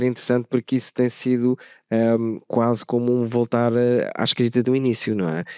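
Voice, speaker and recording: At a fairly quick pace, a man talks with fairly even intonation and a medium pitch on a very clean recording with a silent background and a dry, close sound with no echo. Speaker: singer-songwriter. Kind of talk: interview. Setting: auditorium with audience. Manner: halting, many fillers.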